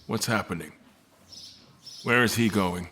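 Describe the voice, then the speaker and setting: Captive in an audio drama male actor. Lowish, halting, scared and wary, plainspoken, some background noise. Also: close to an everyday voice. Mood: alarmed. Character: frightened, confused captive man, wary and defiant.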